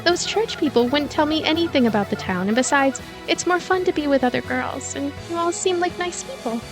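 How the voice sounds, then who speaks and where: A woman's voice: high voice, expressive, brisk, voice pushed up, low-quality recording. A woman voicing a polite, cheerful young ghost girl in a visual novel game. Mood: pleasant, curious. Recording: music behind the voice.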